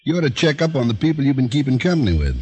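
An actor playing a gruff, dogged police lieutenant in a 1940s-style radio drama. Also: male voice, medium pitch, sing-song, rapid-fire, mellow, soft background music. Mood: stern. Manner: gruff, warning.

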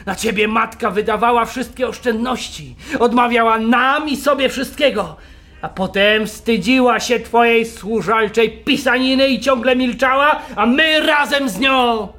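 An actor playing a bitter drunk man who shouts and rants at his family in a radio play. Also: very high-pitched, a little slow, full character voice. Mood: accusing. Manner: shouting, ranting, accusing. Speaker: radio drama character.

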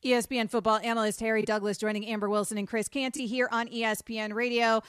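Smooth-voiced woman hosting sports radio. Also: on the high side, level tone, a bit bright, dry recording, studio quality. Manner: brisk, upbeat, conversational. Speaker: radio host. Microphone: studio microphone.

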